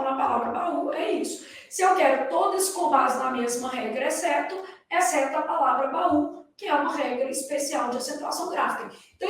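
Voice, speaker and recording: This recorded lecture for exam candidates features a woman teaching grammar with a Brazilian accent, her voice high with a fairly bright tone. Rhetorical questions to the class punctuate her didactic explanations. Sound bounces around the echoey room, and she is distant from the microphone.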